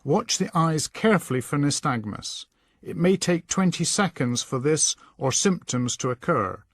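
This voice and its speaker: In an animated way, a slightly high-voiced man gives measured instructions while narrating a scripted lesson. The recording is close and dry, free of room sound and echo.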